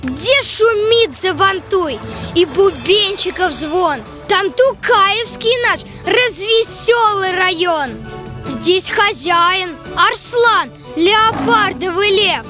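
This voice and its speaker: Very high, slow verse reciter. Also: female voice, expressive, music in the background, exaggerated voice. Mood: festive, lyrical. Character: lyrical verse reciter in a children's cartoon. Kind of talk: poetry recitation.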